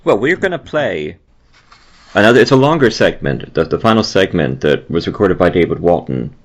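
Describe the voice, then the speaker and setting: A man with a deep voice and lively, swinging intonation hosts a podcast. He chats casually and muses as he goes. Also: moderate pace. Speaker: podcast host. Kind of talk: casual interview chat.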